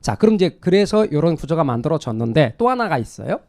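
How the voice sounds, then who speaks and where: A man's voice: a little high, sing-song, quick pace, darkish tone. A middle-aged man giving an explanatory classroom lecture, conversational, repeating key terms and asking rhetorical questions that he answers himself. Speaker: lecturer in real estate exam course.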